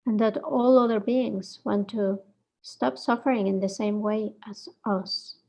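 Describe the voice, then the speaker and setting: Female meditation guide, gentle and very unhurried, mellow tone with a fry-laden edge. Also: medium pitch, steady tone. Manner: gentle, unhurried, pausing between short phrases.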